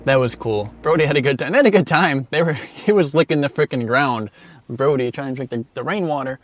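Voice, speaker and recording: A man's voice: mid-range voice, a little fast. Rambling man vlogging a road trip. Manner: loose, rambling, chuckles often. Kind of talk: casual vlog chat.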